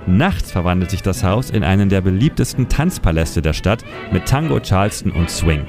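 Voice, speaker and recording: A man reading a scripted history feature in a measured storytelling manner. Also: deep voice, expressive. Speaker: narrator. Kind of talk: scripted documentary narration. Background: music.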